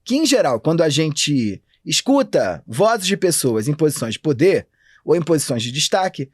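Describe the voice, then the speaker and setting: A Brazilian man, an anthropologist, talking fast and animated in a casual podcast interview. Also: on the high side, slightly rough, no echo, clean studio sound. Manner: animated, talks fast and thinks aloud. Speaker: anthropologist guest.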